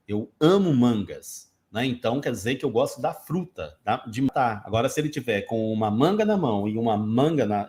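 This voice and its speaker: A man's voice: mid-range voice, darkish tone. Brazilian male teacher, mid-range voice, casual live-stream host answering questions in an explanatory tone. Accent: Brazilian Portuguese. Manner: explanatory, teacherly, gives everyday examples. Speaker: English teacher hosting a live Q&A.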